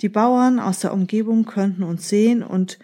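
A woman's voice: medium pitch, normal speed, mellow, natural voice. A woman reading a scheming, lying man. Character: scheming deceitful grown man.

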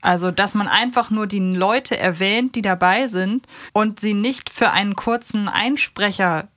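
A woman's voice: medium pitch, a little slow, a bit bright, dry recording, studio quality. A woman co-hosting a podcast, chatting casually and giving critical review commentary. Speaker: podcast co-host.

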